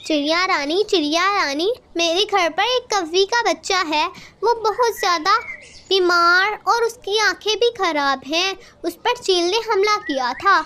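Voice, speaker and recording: Cartoon sparrow, warm-hearted and firm, a woman voicing her, very high voice. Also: a little slow, full character voice. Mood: caring. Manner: caring, firm. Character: kind brave female sparrow.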